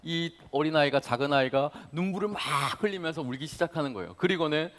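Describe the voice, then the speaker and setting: A man in his thirties, a pastor preaching to young adults, dramatic in delivery, acting out prayers and swinging from hushed to loud. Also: a little high, animated, fast talker. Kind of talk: sermon.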